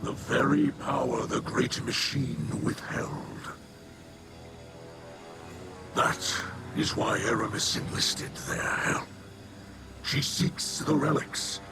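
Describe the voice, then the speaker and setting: An actor playing a grave, stern alien leader in a video game cutscene, with a growling, deliberate delivery. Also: male voice, medium pitch, animated, over loud music. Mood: grave urgency. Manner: slow, solemn, deliberate delivery.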